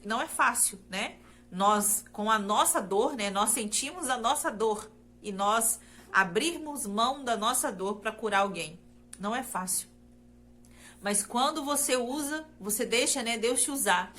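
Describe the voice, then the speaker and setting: A woman's voice: on the high side, expressive, measured pace, pushed and bright. A woman from Brazil sharing a personal faith testimony in an earnest, repetitive way, often turning to her listeners directly. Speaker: testimony speaker.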